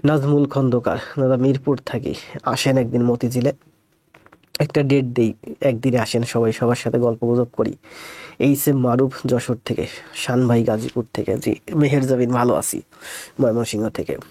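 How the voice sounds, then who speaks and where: A man with a cold, speaking slowly and softly as he greets viewers before his live math class. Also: medium pitch, steady tone, no echo. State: has a cold. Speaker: math teacher.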